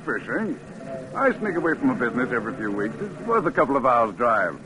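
A man's voice: medium pitch, very animated, fairly quick, background noise, close to an everyday voice. A man playing a kindly older small-town businessman in a 1940s radio drama, with a fatherly, folksy way of talking. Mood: friendly.

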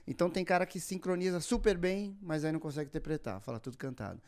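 A man's voice: on the high side, fast talker. A Brazilian man, a voice actor, telling stories in a casual podcast chat and laughing often. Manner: animated storyteller, laughs often.

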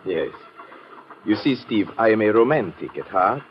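An actor playing a smooth, flowery, romantic Egyptian gentleman with courtly, ornate manners in a 1950s radio drama. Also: on the low side, lively intonation, moderate pace, natural voice. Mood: suave, romantic. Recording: muffled, noisy old radio recording.

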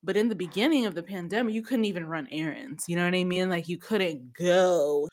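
A woman's voice: on the low side, brisk, darkish tone. A woman, chatting casually as a podcast guest, laughing often and trailing off mid-sentence. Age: 30s. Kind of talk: casual chat.

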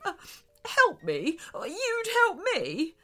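A woman's voice: a little high, very animated, takes it slowly, bright, forceful tone, full character voice. A woman voicing a big, blustering great white shark with a growling, theatrical delivery in a children's storybook. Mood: tearful hope. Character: big great white shark, menacing bully turned blubbering.

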